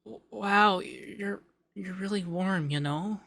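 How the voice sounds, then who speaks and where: Guy doing a flustered coy femboy for asmr, really bright voice, stammers a lot, soft breathy bits. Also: sits high, slow, slight background noise, heavily acted. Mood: flustered, shy. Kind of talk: intimate ASMR roleplay.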